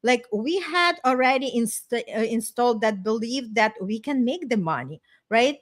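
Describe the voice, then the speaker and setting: A woman's voice: fairly high pitch, lively intonation, moderate pace. Chatty Eastern European woman, middle-aged. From small town in Ukraine, former Soviet Union. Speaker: podcast host and life coach. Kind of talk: casual personal storytelling in conversation.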